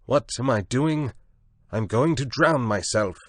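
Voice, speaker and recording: Man doing a cornered, defiant castaway, raised and loud over a low, dry base. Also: animated, measured pace, dry recording. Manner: loud, pleading and shouting.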